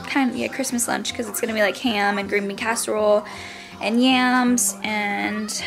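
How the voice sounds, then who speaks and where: Moderate-paced speech from a woman, clear music behind her. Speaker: family vlogger. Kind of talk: casual vlog chat. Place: home room. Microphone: phone near.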